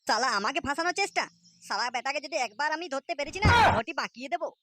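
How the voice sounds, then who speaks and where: A man's voice: extremely high pitch, lively intonation, very fast, pushed and bright, dry recording, heavily acted. A man voicing an indignant, hot-tempered village father in a comedy cartoon, blustering and scolding crudely. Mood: furious. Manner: blustering, foul-mouthed scolding. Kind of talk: Bengali comedy cartoon dubbing.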